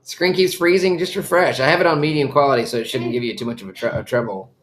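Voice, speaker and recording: A man's voice: fairly high pitch, fast talker, slight background noise. A middle-aged man hosting a casual live stream while watching a cartoon with his kids, chatting and answering viewer comments. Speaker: channel host watching a show with his kids.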